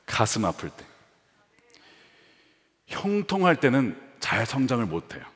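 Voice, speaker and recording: A man preaching a sermon as pastor, asking the congregation rhetorical questions and swinging between emphatic lines and hushed ones. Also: medium pitch, wildly swooping pitch, measured pace. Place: large church sanctuary. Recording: long hall reverb of a church.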